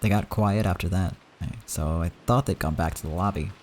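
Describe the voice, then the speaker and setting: A man voicing a polite, soft-spoken middle-aged husband in a visual novel reading. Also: low-pitched, brisk, slight background noise, lightly acted. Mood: concerned.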